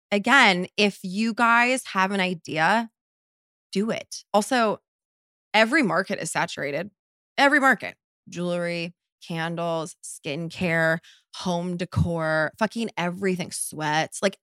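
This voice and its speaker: Blunt, bright-voiced woman podcaster. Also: mid-range voice, dry recording. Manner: blunt and profane, quick bursts with emphatic repeats. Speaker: podcast host. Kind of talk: casual solo podcast answering listener questions.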